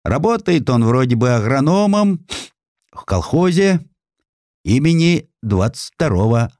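A man voicing an earnest, hesitant village letter-writer in an audiobook, speaking in a halting manner. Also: medium pitch, very animated, darkish tone, no room sound, clean studio sound, pitched above the performer's own voice.

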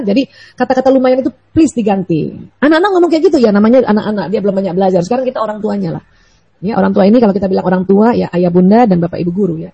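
Playful woman lecturer, husky mellow voice. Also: on the high side, low-quality recording. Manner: lively, playful, asks the audience questions. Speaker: Islamic lecturer. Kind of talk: religious lecture to mothers.

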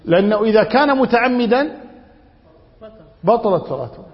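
High-voiced man lecturing in a hall. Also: animated, normal speed. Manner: quizzes students and repeats key phrases. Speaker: teacher of Islamic law. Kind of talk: classroom lecture. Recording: dull lo-fi audio in a reverberant hall.

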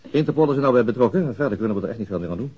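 An actor playing a weary, resigned detective with a gruff, terse and hesitant manner in a radio drama. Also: male voice, medium pitch, lively intonation, rapid-fire. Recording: dull lo-fi old radio recording.

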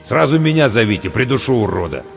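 A man voicing a surly, brutish male warrant officer who grumbles gruffly. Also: medium pitch, big pitch swings, quick pace, voice pushed up. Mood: grumbling. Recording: long reverb with faint music.

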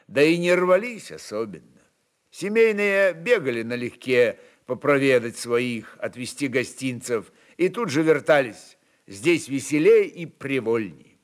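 Slow, measured male literary narrator. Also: a little high. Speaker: narrator reading a literary work. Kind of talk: dramatic literary narration of a historical novel.

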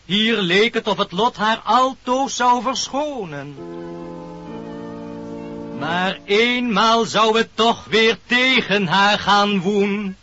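A man's voice: sits high, slow, bright, forceful tone, faint music behind, heavily acted. A man playing a pompous little animal preacher in a radio play, solemnly declaiming rhymed verse like a sermon. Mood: solemn, lofty. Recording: dull old radio recording.

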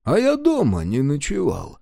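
A man's voice: fairly high pitch, huge pitch swings, gravelly, dark tone, dry recording, studio quality, voice pushed up, exaggerated voice. Man doing a lazy, sly young village charmer. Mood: carefree. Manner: lazy, unhurried, mocking. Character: cocky handsome young peasant man, carefree, sly.

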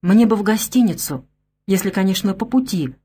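A man's voice: sits high, very animated, normal speed, a little mellow, breathy edge, exaggerated voice. A woman voicing a polite, tactful young male officer in an audiobook.

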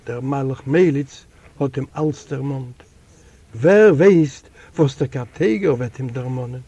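An older man, a native Yiddish speaker, reading a literary story aloud in a slow, dramatic storytelling manner with sudden soft drops. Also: medium pitch, slightly rough. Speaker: reader of a literary recording.

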